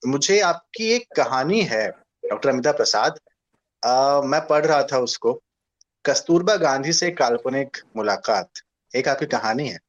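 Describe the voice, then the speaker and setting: A man's voice: medium pitch, lively intonation, a little slow, dull audio. A man hosting a program, politely thanking his guests and asking them questions. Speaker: program host. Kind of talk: interview talk.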